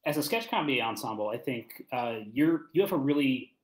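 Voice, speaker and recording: A man's voice: medium pitch, lively intonation, a little fast. Man in a roomy, echoing space. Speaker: panelist, podcast creator. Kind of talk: casual panel discussion. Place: indoor room, video call. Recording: roomy echo on video call.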